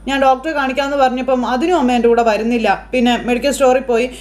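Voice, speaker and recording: A clingy young son who pleads tearfully on his mother's behalf, as a woman acts him out. The lines come quickly and sit a bit high. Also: steady tone, a little mellow, close to an everyday voice. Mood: pleading.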